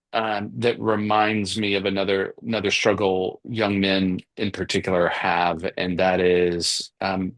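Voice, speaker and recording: A podcast host with a lowish, fairly bright voice interviews a guest, speaking reflectively and affirming what they say. He often repeats words as he thinks out loud.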